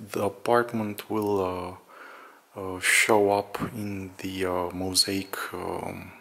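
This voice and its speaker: Slow, halting man narrating casually. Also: on the low side, a bit bright, slight background noise. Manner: hesitant, halting, searching for words. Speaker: vlogger showing an apartment renovation. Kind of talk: unscripted casual video narration. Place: indoors in an empty apartment under renovation.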